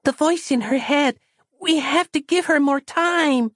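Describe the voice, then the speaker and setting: A man reading an audiobook and voicing a small, naive girl who speaks in a high, piping, sing-song way. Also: measured pace, fairly bright tone, no echo, clean studio sound. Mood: naive, earnest. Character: small wise-sounding girl, naive and cheerful.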